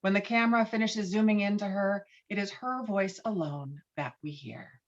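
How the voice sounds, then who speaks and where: A woman's voice: mid-range voice, normal speed, highs cut off. A woman reading screenplay stage directions as scripted narration, on video-call audio.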